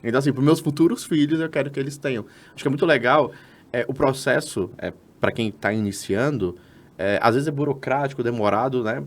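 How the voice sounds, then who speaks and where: A man's voice: mid-range voice, fairly quick. A Brazilian man with a Brazilian Portuguese accent, co-hosting a podcast and explaining a process step by step in casual, filler-heavy talk. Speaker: podcast co-host.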